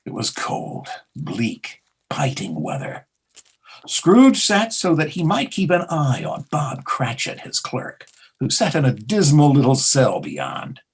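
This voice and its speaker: A man narrating a classic story theatrically, dropping at times into hushed tones. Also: medium pitch, huge pitch swings, takes it slowly. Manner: theatrical, with hushed breathy drops.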